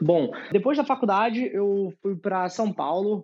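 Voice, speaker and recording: A man speaks in a Carioca accent. His pitch varies in an ordinary way. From Rio de Janeiro, Brazil. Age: young. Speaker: startup founder and CEO. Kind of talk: interview.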